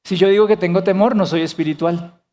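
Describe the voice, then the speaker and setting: High-pitched guy preaching to his church, earnest, asks the crowd stuff, echoey hall. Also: steady tone, brisk, mellow. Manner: earnest preaching, rhetorical questions to the congregation. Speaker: pastor. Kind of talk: sermon.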